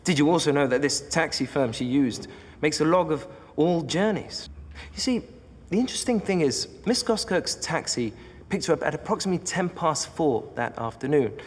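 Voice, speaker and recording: Courtroom drama barrister, composed, probing, formal phrasing, fairly high male voice. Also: expressive, in a large hall. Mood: coolly pressing. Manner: formal, measured, precise questioning. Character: composed, probing male defence barrister, sharp in cross-examination. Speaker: actor. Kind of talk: television courtroom drama acting.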